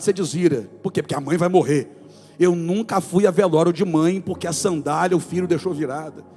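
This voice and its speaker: A Brazilian man in his forties with a Rio de Janeiro accent preaches from the church pulpit, his high voice rising and falling between quiet asides and loud exclamations. Soft music plays faintly behind him. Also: long reverb tail. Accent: Brazilian Portuguese, Rio de Janeiro state. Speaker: pastor. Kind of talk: sermon. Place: church sanctuary.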